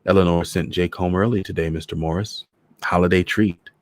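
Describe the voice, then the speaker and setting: A man's voice: low voice, fairly even intonation, fairly quick, dry recording, lightly acted. A man voicing a polite, somewhat guarded young woman in a storybook reading.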